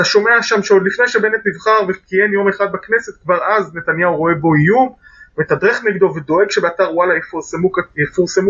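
A man with a high pitch, ordinary pitch variation and a fairly quick pace. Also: very even loudness. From Israel, Jerusalem. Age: 40s. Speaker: journalist. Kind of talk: interview.

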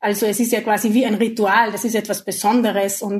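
A woman's voice is fairly high-pitched and somewhat breathy. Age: 30s. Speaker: freelance journalist and copywriter. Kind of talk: interview.

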